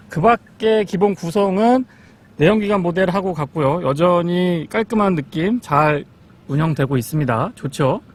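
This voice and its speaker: A man's voice: high voice, darkish tone. A man presenting a test-drive review as a car reviewer, explaining things politely.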